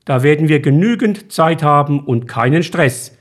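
A man's voice: a little high, lively intonation, normal speed. A man reading a story aloud, voicing the narrator's grown-up son with a lifted, eager voice. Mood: cheerful. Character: young adult son, worried then cheerful.

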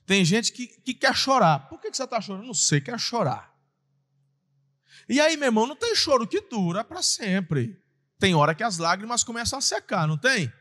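A Brazilian man preaches a sermon with a high, very lively voice. He acts out voices and breaks into sudden shouts. The sound rings with a long hall reverb. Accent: Brazilian Portuguese. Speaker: pastor.

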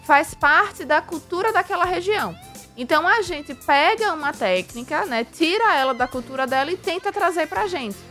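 A woman's voice: very high voice, expressive, moderate pace, sharp tone, soft background music. A Brazilian woman explaining an exercise step by step in a radio interview, in a chatty, didactic way. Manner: didactic, chatty, frequent tag questions and diminutives. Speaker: pelvic physiotherapy expert guest.

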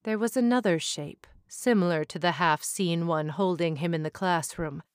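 A woman reading a fantasy short story aloud in a slow, measured narration. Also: lowish voice, clear, resonant tone, no echo, clean studio sound. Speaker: story reader.

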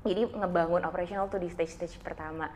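A woman, a business co-founder, chatting casually as an interview guest and telling her story in a quick, colloquial way. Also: on the low side, steady tone, darkish tone, slight background noise.

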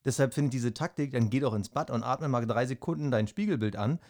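Young guy new dad, jokey and self-deprecating, lots of ums, mid-pitched voice. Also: quick pace, darkish tone. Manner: self-mocking, rambling, hesitant with fillers. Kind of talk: casual chat. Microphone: headphones on, studio-style mic.

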